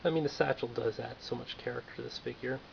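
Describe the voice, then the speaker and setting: A man reviews a toy figure in a casual, offhand monologue with dry, self-mocking jokes. His voice is gravelly and sits in a middle pitch. The recording is dull and lo-fi, with a faint hiss underneath. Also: fast talker.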